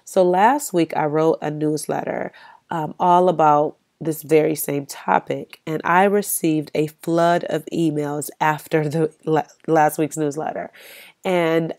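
An American woman hosts her own solo podcast in a low, steady, somewhat slow voice with a darkish tone. She's encouraging and conversational, says um often, and sounds stuffy from a cold.

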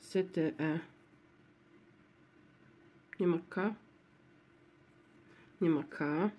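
Casting: woman vlogger, low voice, unhurried, murmurs letters aloud while checking scratch cards. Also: husky, lo-fi sound. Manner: spells out letters one by one, low-key and murmuring. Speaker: lottery scratch-card vlogger.

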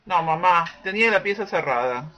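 A woman's voice: lowish voice, expressive, brisk, fairly bright tone. Woman playing a resentful daughter, muffled sound. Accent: Argentine. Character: resentful, resisting young daughter. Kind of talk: amateur radio play acting. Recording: dull lo-fi recording.

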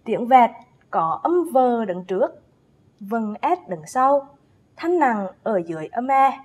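A woman teacher leads a first-grade phonics lesson in a high, bright voice. She speaks at an unhurried pace and pronounces every sound carefully. She draws out the spelling drills and asks the children to repeat after her. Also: big pitch swings, slightly rough. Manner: slow, careful enunciation with drawn-out spelling drills; addresses young pupils directly, calls them to read along. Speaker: primary school teacher.

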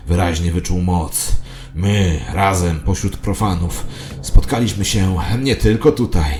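A low, deep male voice of an actor as a paranoid, self-important conspiracy believer. He narrates his tale in the first person with solemn theatrical weight, like an audio drama, over clearly audible music. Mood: hushed reverence.

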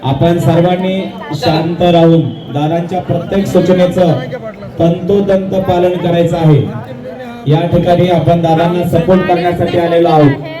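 A man making firm, pleading announcements to a protest crowd through a loudspeaker. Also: fairly high pitch, little pitch movement, moderate pace. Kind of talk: public address announcements to a crowd. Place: outdoor protest ground. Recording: echoey loudspeaker heard from far off, loud crowd. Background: large crowd.

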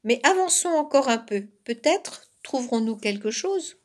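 A woman voicing two greedy young male bear cubs who whine and bicker in a shrill voice. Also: animated, normal speed, natural voice. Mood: whiny. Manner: shrill and whiny.

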